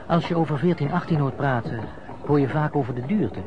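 A man's voice: on the high side, fairly quick, close to an everyday voice. Guy acting curious companion in a radio play, full of wonder, dull sound, noisy street behind him. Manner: wondering, exclaiming, questioning. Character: curious male listener prompting an old man's memories, amazed. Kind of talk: radio drama acting, conversational. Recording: muffled old radio recording, noisy background.

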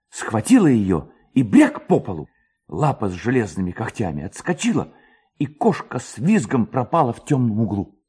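A man's voice: lowish voice, breathy edge. A man narrating a literary folk tale in a dramatic, suspenseful, theatrical manner. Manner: expressive, theatrical, suspenseful storytelling.

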